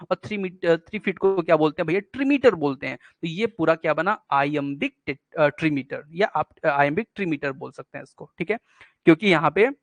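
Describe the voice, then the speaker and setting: A man with a high voice teaches poetic meter for an exam-prep class. He works through it step by step, putting questions to his students and answering them himself. The sound is close and dry, with no room echo. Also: a bit bright. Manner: reads poetry lines slowly, syllable by syllable. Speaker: English literature teacher.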